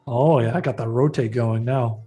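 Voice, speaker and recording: A man's voice: mid-range voice, steady tone, moderate pace, dark tone, soft background music. Chatty, laughing man on a live stream. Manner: chatty, laughs often, reads out viewer comments. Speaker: livestream co-host. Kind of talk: casual live-stream chat while working.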